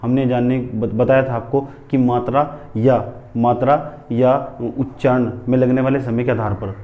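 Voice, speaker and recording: A man's voice: medium pitch, little pitch movement, normal speed, phone-quality sound. A man teaching a Hindi grammar class, repeating key terms and asking and answering his own questions as he dictates headings. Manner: tells students to write headings.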